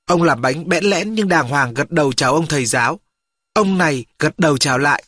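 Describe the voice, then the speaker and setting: A man reading a first-person story aloud as an audiobook, steady and storytelling. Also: on the high side, a little fast, dry recording, studio quality. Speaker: audiobook reader. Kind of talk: scripted narration.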